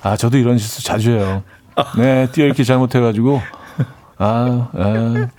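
A man's voice: mid-range voice, fairly even intonation, measured pace, warm tone, a little hiss or hum. A man hosting a radio show, chatting casually and laughing along as he reacts to listener stories. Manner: chuckling, playful banter with many short affirmations. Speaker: radio host.

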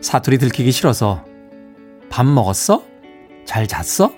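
A man's voice: medium pitch, measured pace, faint music behind. A man from Seoul hosting a morning radio show, reading listener texts playfully with chuckles. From Seoul, South Korea. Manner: lively, playful, chuckles between messages. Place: radio studio.

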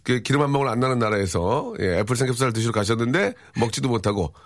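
A man's voice: mid-range voice, quick pace, no echo, clean studio sound. A man hosting a radio show, teasing a staff writer in a mock-serious, playful way. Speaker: radio host. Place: radio studio.

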